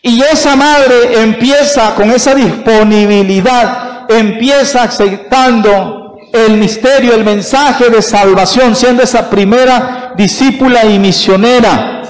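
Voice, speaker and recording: This priest's voice is extremely high, and he takes his sermon slowly. Preaching emphatically at Mass, he asks the congregation questions only to answer them himself. Long reverb from the church carries through the recording.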